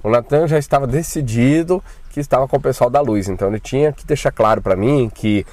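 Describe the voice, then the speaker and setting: A man casually recounting his own frightening experience, talking in a colloquial, animated way with slang and swearing. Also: mid-range voice, fast talker, no echo. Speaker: channel host telling his own spiritual experiences. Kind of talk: casual first-person storytelling.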